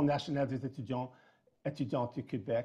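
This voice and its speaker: Against a quiet background, a man's somewhat breathy voice carries a dark, mellow tone. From Quebec. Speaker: politician. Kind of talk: political debate speech. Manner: halting.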